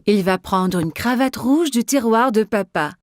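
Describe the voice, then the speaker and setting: High-voiced woman narrating children's stories. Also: lively intonation, measured pace, no room sound, clean studio sound. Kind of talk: scripted children's story narration.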